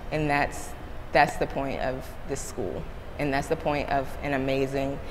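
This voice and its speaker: Against noticeable background noise, a woman speaks in a very deep, low pitch. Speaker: college dance student. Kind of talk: interview testimony. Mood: warm, enthusiastic, reflective. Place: classroom.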